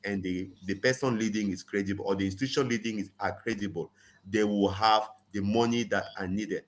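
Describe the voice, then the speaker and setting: Male guest, lower voice, earnest and emphatic, on a video call. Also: steady tone, a little fast. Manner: earnest, fills with "you know"; rises in pitch to stress points. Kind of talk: conversational interview.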